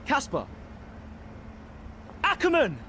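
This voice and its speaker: A high-pitched, indignant young man as a racing driver in a game story scene. His delivery swings widely, confrontational and exasperated, with clear background noise. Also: wildly swooping pitch, slow, pushed and bright, heavily acted. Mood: angry. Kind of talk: video game cutscene acting.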